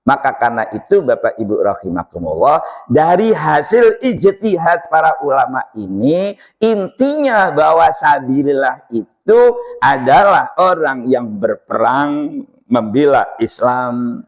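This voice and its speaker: A man's voice: medium pitch, unhurried. An older man giving an informal religious lesson at a mosque, telling anecdotes and acting out the voices in them. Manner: lively storytelling, acting out dialogue, laughing. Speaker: mosque teacher giving a dawn study class.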